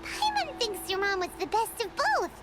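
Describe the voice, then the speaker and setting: Tiny floating girl sidekick, very high and bouncy, eager, third-person speech, game music behind. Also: sing-song, normal speed, very noisy. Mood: reassuring. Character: tiny chirpy floating girl companion, excitable. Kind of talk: video game voice acting. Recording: game audio with background music.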